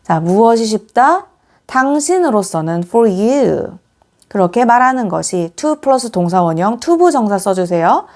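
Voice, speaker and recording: A woman's voice: on the high side, sing-song, a little mellow. Patient woman teaching English grammar. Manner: patient, explains step by step with many "자" prompts; reads English example sentences slowly and clearly. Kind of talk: Korean-language English grammar lesson.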